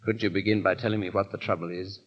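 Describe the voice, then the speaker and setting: An actor playing a foppish, dithering English aristocrat who stammers and drawls with silly exclamations, in 1930s radio drama style. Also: male voice, low voice, steady tone, quick pace, close to an everyday voice. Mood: dry, teasing. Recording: dull old radio broadcast.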